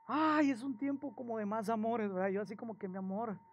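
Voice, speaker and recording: Animated preacher man. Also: extremely high pitch, fairly quick, lo-fi sound. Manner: animated storytelling with acted quotes and questions to the congregation. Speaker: pastor. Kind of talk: sermon.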